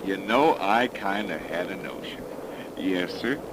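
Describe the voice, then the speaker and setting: A low-pitched, gruff investigator from an old radio mystery, talking in a bossy, homespun, colloquial way. The recording is a noisy 1930s broadcast. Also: male voice, unhurried. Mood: folksy, flirtatious. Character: gruff, folksy, hunch-following male investigator.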